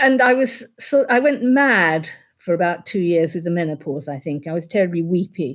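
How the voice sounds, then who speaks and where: This woman has an English accent and a fairly low pitch that moves in very wide swings. She keeps a moderate pace on a very clean recording with a silent background. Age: 70s. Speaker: sportswriter. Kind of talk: interview. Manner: halting.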